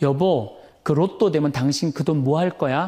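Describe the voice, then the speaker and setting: A man's nasal, put-on character voice, fairly high-pitched, at a moderate pace in a very clean recording with a silent background. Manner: cajoling, playful.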